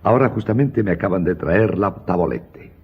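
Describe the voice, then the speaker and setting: An actor playing an obliging, talkative innkeeper with a gravelly, husky voice in an audio drama. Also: male voice, low-pitched, animated, normal speed, muffled recording, heavily acted. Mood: obliging, explanatory. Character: deferential, talkative Italian innkeeper serving wealthy guests. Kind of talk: Spanish audio drama acting.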